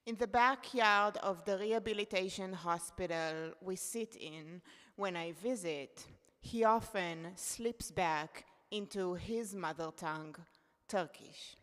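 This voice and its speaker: Slow, measured woman reading aloud. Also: lowish voice, a bit bright. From Israel. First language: Hebrew. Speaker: contributor reading at a poetry event. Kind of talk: reading her own essay aloud. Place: event hall. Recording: long reverb of a hall.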